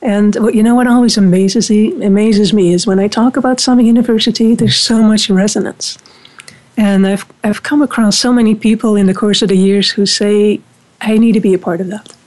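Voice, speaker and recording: A woman whose first language is Dutch, speaking English in an interview at a steady, measured pace. She explains things at length and pauses often on fillers, with a pitch that is neither high nor low. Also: poor audio. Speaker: director of a spiritual university. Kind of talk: conversational interview.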